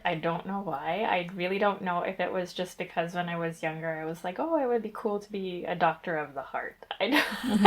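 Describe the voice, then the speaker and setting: Chatty young woman, slightly low voice. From Guyana. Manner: chatty, rambling with fillers and self-corrections. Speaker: guest researcher. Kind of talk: casual interview answers.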